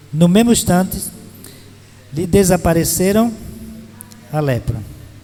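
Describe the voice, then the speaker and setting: Soft-spoken and high-pitched, a man talks at a fairly slow pace with lively intonation, amid noticeable background noise and audible room echo. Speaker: preacher. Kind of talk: sermon. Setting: church.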